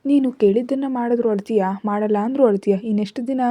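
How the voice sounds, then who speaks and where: A woman's voice: a little high, fast, dark tone, no echo, close to an everyday voice. A woman voicing a stern but tender husband in a storybook reading, with a curt, commanding manner.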